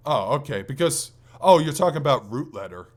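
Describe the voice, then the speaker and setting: A man's voice: medium pitch, expressive, brisk. A man co-hosting a podcast, chatting casually and enthusiastically about video games with some swearing. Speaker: podcast co-host.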